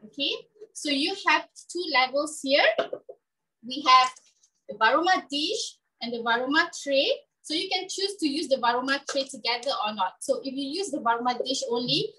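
A woman's voice: sits high, sharp tone, distant mic, poor audio. A woman giving a chatty live cooking demonstration in a kitchen, often checking in with "okay?".

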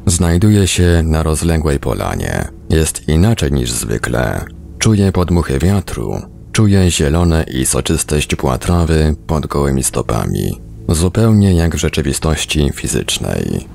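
A man reading an audiobook as scripted narration, measured and with deliberate pauses. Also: a bass voice, creaky, darkish tone, a little hiss or hum. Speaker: audiobook reader on a radio programme.

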